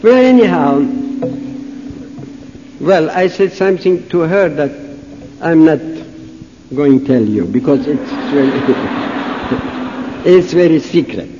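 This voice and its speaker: Older Persian-accented man telling a slow story. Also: on the high side, animated, background noise. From Iran. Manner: slow, humorous storyteller acting out dialogue. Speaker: speaker at a conference. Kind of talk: storytelling talk. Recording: muffled hall recording.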